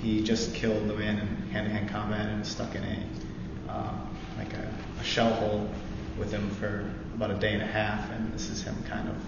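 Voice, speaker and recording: A young student veteran with a lowish voice gives a live reading of a novel passage in an echoey hall. He starts with a halting introduction full of fillers, then reads steadily and earnestly. The roomy hall gives a dull, lo-fi, noisy sound.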